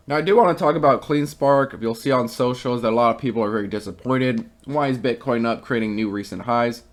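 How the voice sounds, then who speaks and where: Hoarse man giving casual stock commentary. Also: medium pitch. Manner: conversational, reads quotes then gives opinions. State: hoarse, losing his voice. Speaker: stock market YouTuber. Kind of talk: casual market commentary to viewers.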